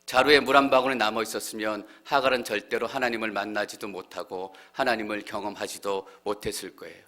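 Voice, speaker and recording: A male pastor giving an earnest sermon, growing louder and more fervent as he voices heartfelt prayers. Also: on the low side, steady tone, quick pace. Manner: earnest preaching, swelling louder when voicing prayers.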